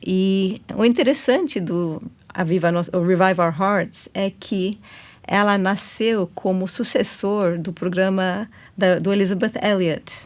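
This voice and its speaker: A woman's voice: medium pitch, measured pace. A woman with a foreign, English-raised accent speaking Portuguese, a guest on a Christian women's talk show, explaining things patiently with many fillers and self-corrections. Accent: Indian-born, English-raised speaker of Portuguese. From England. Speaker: ministry guest.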